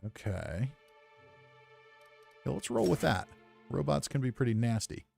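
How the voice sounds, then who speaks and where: A man's voice: medium pitch, big pitch swings, measured pace, gravelly, darkish tone, soft background music. A man giving easygoing, casual game commentary, thinking aloud as he plays. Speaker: gamer narrating playthrough.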